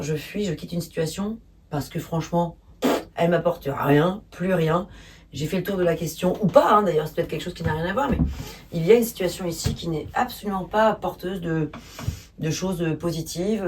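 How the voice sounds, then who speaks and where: A woman giving a spontaneous tarot reading, speaking calmly and gently, hesitating often with fillers. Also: sits low, distant mic. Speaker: tarot reader.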